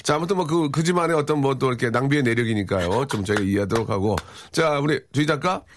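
A man's voice: medium pitch, expressive, fast, a little hiss or hum. A man hosting a radio show, teasing a staff writer in a mock-serious, playful way. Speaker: radio host. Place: radio studio.

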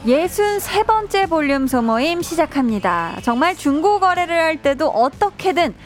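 Female radio host, high voice, giggly and teasing, chatty delivery. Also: big pitch swings, normal speed, music in the background. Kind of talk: radio hosting, friendly banter.

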